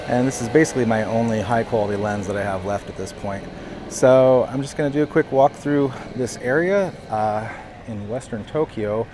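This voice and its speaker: A man's voice: medium pitch, background noise. A man chatting casually through a walk-and-talk vlog outdoors on city streets, a little out of breath, rambling with fillers and amused laughs, recorded on a lavalier mic. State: slightly out of breath from walking. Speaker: vlogger. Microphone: lavalier mic while walking.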